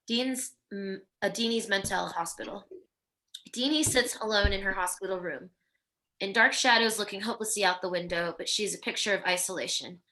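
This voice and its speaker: A woman's voice: mid-range voice, bright, forceful tone. A woman narrating stage directions from a screenplay at a virtual table read.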